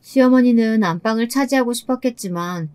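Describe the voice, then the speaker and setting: A woman's voice: fairly high pitch, brisk, darkish tone, smooth. Woman narrating a first-person story.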